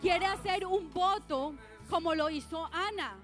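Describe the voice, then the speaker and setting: A middle-aged woman with a Colombian Spanish accent preaches to her church in a high voice. She exhorts the congregation and keeps firing questions at them, with faint music under her. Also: unhurried, a bit bright. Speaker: pastor. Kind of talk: sermon.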